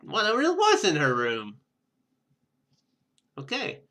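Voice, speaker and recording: A man giving casual, animated game commentary, with joking asides and bits of dialogue read aloud. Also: high voice, unhurried. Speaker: gaming video host. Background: game music.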